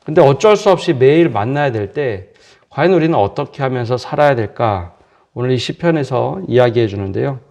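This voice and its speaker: A man preaching as a pastor at an early morning prayer service, calm and earnest, often asking his listeners questions. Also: mid-range voice, vocal fry.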